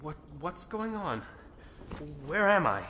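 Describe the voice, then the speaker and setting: A man's voice: high voice, big pitch swings, slow pace, bright, forceful tone, heavily acted. An actor playing a frightened young male apprentice in a fantasy audio drama, nervous, stammering and pleading. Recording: long echoing reverb, noisy ambience.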